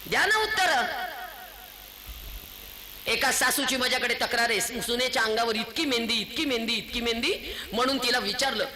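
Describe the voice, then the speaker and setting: High bright woman lecturing a crowd, fiery and scolding, echoey hall. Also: steady tone, fast talker, hardly any pauses. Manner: scolding, fiery, full of rhetorical questions. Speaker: public speaker. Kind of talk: impassioned speech to an audience.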